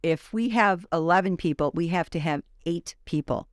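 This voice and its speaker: A woman's voice: fairly low pitch, moderate pace, no room sound, studio quality. A woman guest explaining at length in casual chat, with asides and self-corrections. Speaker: guest, former grand juror.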